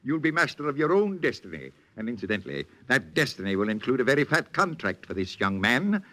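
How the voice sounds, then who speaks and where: An actor playing a pompous, grandiose movie studio boss in a 1940s radio drama, talking in lofty words. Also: male voice, medium pitch, very animated, brisk, pushed and bright. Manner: grandiose, lofty vocabulary, theatrical. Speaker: studio head.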